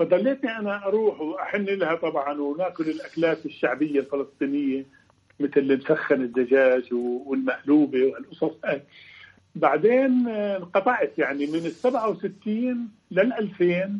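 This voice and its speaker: A man with a high voice talks at a fairly slow pace, his pitch swinging very widely. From Jordan, Amman. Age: 70s. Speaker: publisher. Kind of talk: interview.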